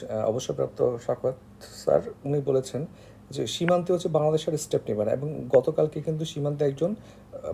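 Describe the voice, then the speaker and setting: A man with a Bangladeshi accent giving an informal explanatory lecture as an online tutor, halting often with hesitations and filler phrases. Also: on the high side, vocal fry, warm tone, a little hiss or hum. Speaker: online tutor for job exam candidates.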